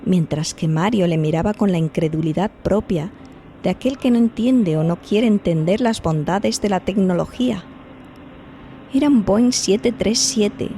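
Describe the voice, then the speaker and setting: A woman's voice: medium pitch, dark tone, a little hiss or hum, natural voice. An actress from playing an observant, thoughtful investigator who narrates her adventure in an audio drama. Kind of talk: audio drama dialogue and first-person narration.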